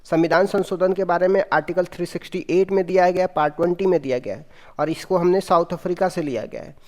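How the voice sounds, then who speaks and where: A man's voice: sits high, steady tone, fast, in a large hall. A man teaching an exam-prep lesson, asking quiz questions and answering them himself with brief explanations.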